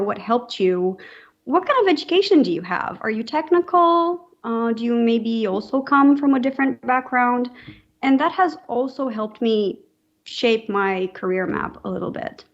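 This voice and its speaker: A woman's voice: on the high side, muffled recording. Woman, earnest podcast guest. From Romania. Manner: earnest, thoughtful, many fillers. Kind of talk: casual interview talk.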